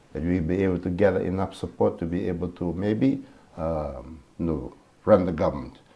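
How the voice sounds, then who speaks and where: This man's very deep, low voice has a dark, mellow tone and vocal fry, moving at a moderate pace with lively intonation. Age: 60s. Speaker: opposition politician. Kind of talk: TV interview.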